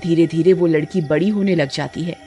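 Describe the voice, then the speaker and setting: A woman narrating a cartoon horror story in a steady, dramatic scripted way. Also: low-pitched, a little fast, soft background music.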